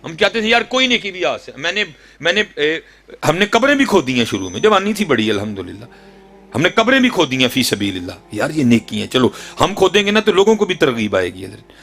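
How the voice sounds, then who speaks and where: Male preacher with a Punjabi accent, gravelly, storytelling sermon with rhetorical questions. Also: fairly high pitch, sing-song, a bit bright. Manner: rhetorical, tells stories, keeps addressing the audience as hazrat ji. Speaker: Islamic preacher.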